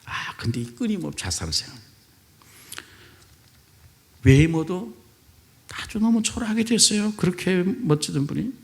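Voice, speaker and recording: A male pastor delivering a sermon, telling a story with animated swings between hushed and loud delivery and acting out the quoted voices. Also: high voice, normal speed, pauses often.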